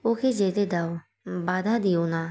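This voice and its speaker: A woman voicing a calm, wise father who speaks firmly, in an audio story reading. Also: fairly low pitch, moderate pace, natural voice. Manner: calm and firm.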